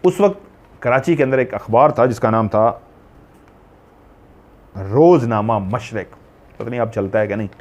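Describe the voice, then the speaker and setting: A man's voice: medium pitch, lively intonation, normal speed, long pauses, darkish tone. A man telling a horror story in a casual, rambling way, full of asides and self-corrections.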